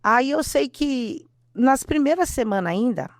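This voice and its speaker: Uma mulher com sotaque brasileiro dá um testemunho de fé emocionado numa entrevista, repetindo frases e encenando falas. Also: female voice, high-pitched, animated, unhurried, no echo, studio quality. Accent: Brazilian Portuguese. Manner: earnest, repeats herself, acts out quotes. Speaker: interview guest. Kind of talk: emotional testimony.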